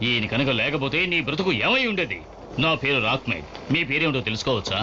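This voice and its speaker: A man's voice: medium pitch, big pitch swings, quick pace, slight background noise. A man voicing an anxious, strict but doting father in a dubbed cartoon, with an emphatic, scolding manner. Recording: dull lo-fi cartoon soundtrack, loud music.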